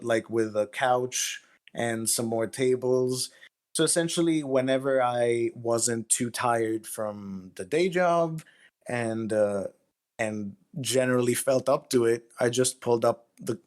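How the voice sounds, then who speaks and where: A man speaking as a writer being interviewed, explaining things casually in a halting, thoughtful way. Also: medium pitch. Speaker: interview guest, fiction writer.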